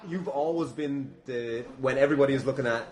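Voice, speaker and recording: A male podcast host in loose, jokey conversation. He wanders off on tangents with self-deprecating humour and often laughs as he talks, at an average pitch for a man. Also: brisk, a little mellow. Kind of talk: casual comedic podcast interview chat.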